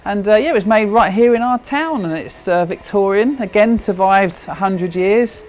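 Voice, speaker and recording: Showing off his home in an informal interview, this history-loving British man of thirty-five speaks hesitantly, with old-fashioned expressions. His voice sits high at a moderate pace, with slight background noise.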